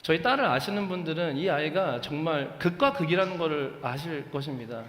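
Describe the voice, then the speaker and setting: An earnest pastor in his thirties delivers a sermon, his high voice pleading and building toward fervent emphasis. The sound carries a roomy, ringing echo. It has the long reverb of a church sanctuary. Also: lively intonation, fairly quick, a bit bright.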